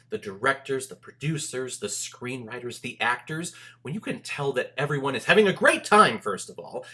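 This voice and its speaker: Animated, bright-voiced man reviewing movies. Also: on the high side. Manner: animated, emphatic, conversational and joking. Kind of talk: casual video movie review, talking to viewers.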